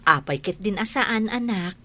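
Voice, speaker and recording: A woman's voice: medium pitch, expressive, a little slow, fairly bright tone. A woman voicing a mother and teacher who encourages her blind child. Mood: encouraging.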